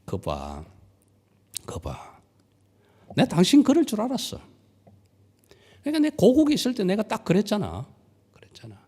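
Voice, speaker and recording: Sulking prophet, adult man, whiny and self-pitying, pitched up high , put on by a male preacher. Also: wildly swooping pitch, normal speed, pauses often, warm tone, slightly rough, exaggerated voice. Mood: whiny complaint. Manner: whiny, complaining, raised pitch.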